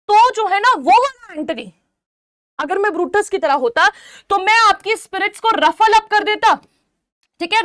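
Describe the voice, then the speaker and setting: A woman's voice: very high voice, fairly bright tone, dry recording, clean studio sound. A young woman teaching a literature lesson for exam prep, explaining each line and often repeating phrases to check that students follow.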